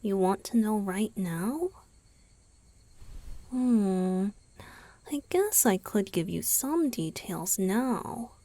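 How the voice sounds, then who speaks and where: A gentle, teasing vampire boyfriend acted by a woman murmurs close and dry into the microphone in an ASMR roleplay. He takes his time, explaining patiently and often slipping toward a whisper, while his pitch rises and falls in a lively, affectionate lilt. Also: very slow, pauses often, no room sound, heavily acted. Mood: thoughtful, gentle. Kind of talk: ASMR roleplay, intimate one-sided dialogue to the listener.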